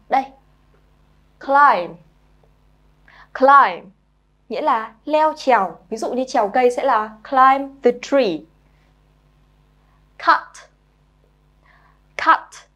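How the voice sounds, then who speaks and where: A young woman with a fairly high voice gives a vocabulary lesson to young children. She coaxes her pupils along and says each new word slowly two or three times so they can copy it. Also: fairly bright tone. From Vietnam. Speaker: English teacher.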